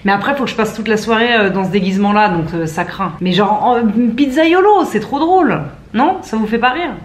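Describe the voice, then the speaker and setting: A woman's voice: mid-range voice, expressive, a little fast. Playful young French-speaking woman vlogging. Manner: chatty, playful, self-mocking. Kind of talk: casual vlog chat to camera. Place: at home indoors.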